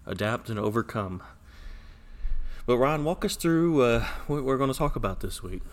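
A man's voice: mid-range voice, lively intonation, normal speed. A man co-hosting a casual Christian podcast from an echoey church sanctuary, chatty and rambling. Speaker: podcast co-host.

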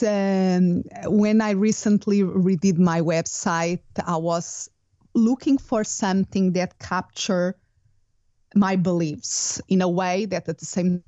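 A woman with a Portuguese accent speaks as an interview guest, her voice low and mellow. She picks her words carefully and often restarts her phrases. The remote audio sounds slightly muffled. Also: no room sound. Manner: thoughtful, with restarts and non-native grammar. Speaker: guest, business coach. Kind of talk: casual interview talk.

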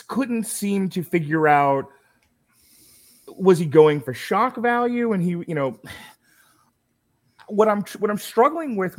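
A man co-hosting a movie review podcast, chatting casually and emphatically, sometimes acting out quoted lines. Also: fairly high pitch. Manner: animated, emphatic, acts out quoted voices.

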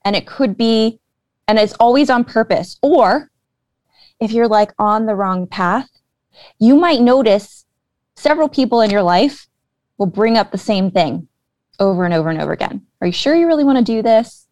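A woman's voice: fairly high pitch, expressive, moderate pace, a little mellow, no room sound. A woman guest earnestly explaining her beliefs in a casual conversation, with many fillers. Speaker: guest, spiritual intuitive.

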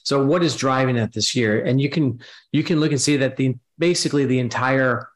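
A man's voice: mid-range voice, fairly quick. A man, a finance professor, explaining things conversationally as a podcast guest.

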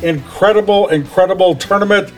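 A man with a notably high voice hosts a relaxed interview. He talks in a folksy, rambling way and trips over his words, repeating them as he goes. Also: brisk, soft background music. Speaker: podcast host. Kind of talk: casual interview chat.

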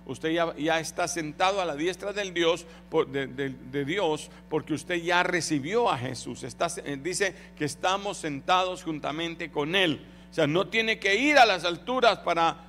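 High-voiced preacher in an echoing hall. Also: male voice, measured pace, few pauses, fairly bright tone. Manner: calls on congregation to repeat phrases; acts out voices in Bible stories. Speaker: pastor. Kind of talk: sermon. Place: church hall. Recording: long hall reverb, faint noise.

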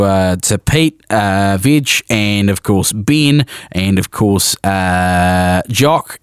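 A man's voice: on the low side, darkish tone, no room sound, studio quality. A man with a New Zealand accent hosting a podcast, chatting casually and doing upbeat sponsor reads. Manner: chatty, upbeat, lots of uh fillers. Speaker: podcast host.

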